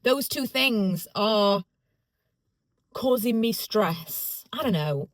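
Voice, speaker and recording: A woman's voice: mid-range voice, animated, takes it slowly. A woman vlogging casually, rambling in a self-deprecating way and repeating phrases for emphasis. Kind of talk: casual chatty vlog to camera.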